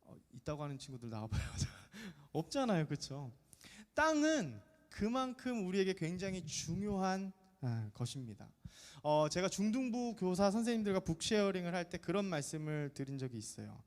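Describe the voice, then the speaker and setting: A man in his thirties preaches at a moderate pace to young teens, his slightly high voice carrying a darkish, sing-song quality. The sanctuary's long reverb surrounds his chatty, humorous talk, which is full of questions for the group.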